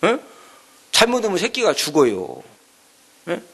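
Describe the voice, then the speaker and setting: A male pastor delivers an animated sermon in a high voice. His pitch rises and falls widely as he acts out the story. He keeps calling out to his listeners. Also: measured pace, vocal fry, slightly rough. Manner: animated storytelling with sound effects, asking the congregation "예?".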